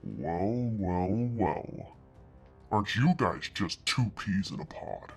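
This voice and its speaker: A cruel, entitled devil speaks, put on by a man reading a storybook aloud, his voice sitting low and husky with a sneer in every word. He drawls his mockery and lets threats fall quietly. Soft music plays faintly behind him. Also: expressive, takes it slowly, full character voice. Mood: mocking. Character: smug menacing male devil, cruel and entitled.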